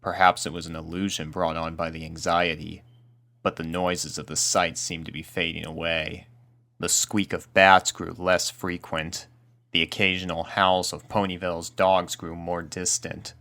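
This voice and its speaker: A man reading a scripted spooky story aloud as narrator, with a measured, suspenseful storytelling delivery. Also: low voice, little pitch movement, gravelly, bright, forceful tone. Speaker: fan fiction narrator.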